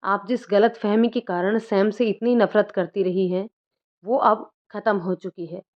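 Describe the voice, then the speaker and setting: A woman's voice: medium pitch, fairly even intonation, a little slow, lightly acted. A woman reading an earnest young woman. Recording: dull lo-fi recording.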